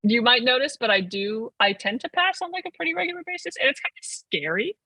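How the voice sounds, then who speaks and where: A man's voice: very high-pitched, lively intonation, quick pace, sharp tone, no echo. A 21-year-old trans man and podcast guest, chatting casually and rambling with lots of "like.". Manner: rambling, heavy use of "like". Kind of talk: casual conversation.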